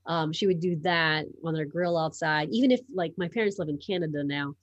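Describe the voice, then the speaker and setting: A woman's voice: low voice, fairly quick, no echo, lo-fi sound. A woman whose first language is Portuguese, a sports publisher talking as a podcast guest, chatty and full of ums and restarts. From United States (Miami). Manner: talkative, many ums and restarts. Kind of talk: casual interview chat.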